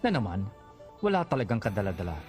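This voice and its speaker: A man's voice: lowish voice, big pitch swings, quick pace, darkish tone, faint music behind. A man voicing an arrogant, menacing villain in an anime dub, taunting and scornful. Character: arrogant, taunting male villain who commands a flame servant. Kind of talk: Tagalog anime dub acting.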